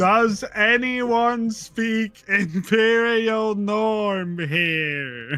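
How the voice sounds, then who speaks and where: With faint music in the background, a man performs a put-on character voice at a high pitch and a very slow pace. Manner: speaking very slowly.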